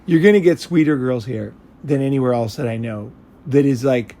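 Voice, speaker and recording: A man's voice: medium pitch, moderate pace, mellow. An American man chatting casually in a rambling, blunt way, with frequent swearing. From United States. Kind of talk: casual chat.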